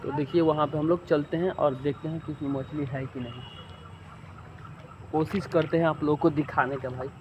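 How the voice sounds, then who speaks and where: A man's voice: on the high side, steady tone, normal speed, lo-fi sound. Young man vlogging outdoors. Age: young adult. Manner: chatty, addresses viewers directly, mixes in English words. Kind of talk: casual outdoor vlog. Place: outdoors by a pond and river. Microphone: phone held at arm's length. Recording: noisy outdoor phone recording.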